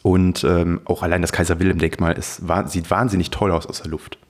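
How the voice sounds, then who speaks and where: A man's voice: low voice, little pitch movement, brisk. A man co-hosting a podcast in informal, colloquial chat. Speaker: podcast co-host.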